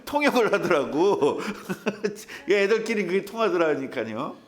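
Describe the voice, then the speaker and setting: A man's voice: sits high, big pitch swings, a little slow. An older man, a pastor, preaching a humorous sermon in a church and acting out the voices of the people in his stories. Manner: humorous storytelling, acts out quoted voices.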